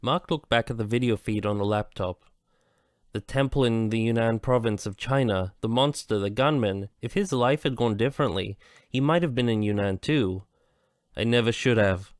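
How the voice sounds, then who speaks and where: A man reading a novel aloud slowly, with halting restarts, as an amateur audiobook reader. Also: medium pitch, no echo, clean studio sound.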